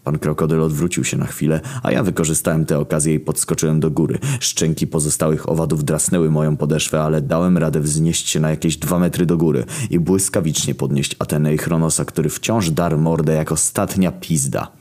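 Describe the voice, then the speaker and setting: Male storyteller, extremely low register, dry and sardonic delivery. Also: brisk, hardly any pauses. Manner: deadpan, heavy swearing, wry asides. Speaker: narrator. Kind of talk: first-person story narration, crude and sarcastic.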